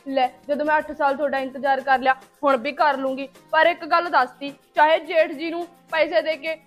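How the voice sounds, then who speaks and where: High-pitched reproachful first wife, a woman acting. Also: steady tone, fairly quick, faint music behind, close to an everyday voice. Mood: pleading. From Punjab. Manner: reproachful, coaxing questions. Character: young woman, returning first wife, pleading. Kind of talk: Punjabi village drama dialogue.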